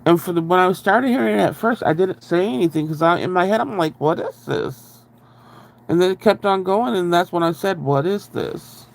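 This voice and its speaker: Congested, nasal man with a gravelly edge. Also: high-pitched, animated, normal speed. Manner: chatty, rambling, greets viewers. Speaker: livestream host. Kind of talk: casual livestream chat. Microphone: very close to the microphone, breathing audible.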